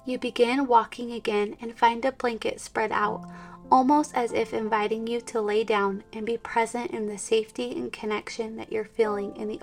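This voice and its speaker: A woman guiding a Christian relaxation meditation in a slow, soft, soothing voice that drifts into whispers. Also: a little high, creaky. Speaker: meditation guide. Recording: distant mic with soft instrumental music.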